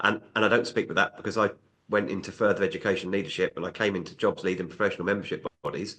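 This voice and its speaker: Bright and sharp in tone, a man speaks at a very fast pace. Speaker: professional body executive. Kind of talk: podcast discussion.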